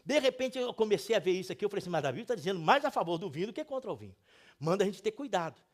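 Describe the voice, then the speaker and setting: High-voiced animated preaching man. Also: rapid-fire. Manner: animated storytelling with sudden loud and soft swings; addresses the congregation directly. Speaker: pastor. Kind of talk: sermon.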